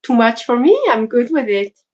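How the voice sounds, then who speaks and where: A woman with a French accent co-hosting a casual crochet livestream, soft-spoken and apologetic with many fillers. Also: a little high, lively intonation, normal speed. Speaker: co-host. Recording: dull lo-fi stream audio.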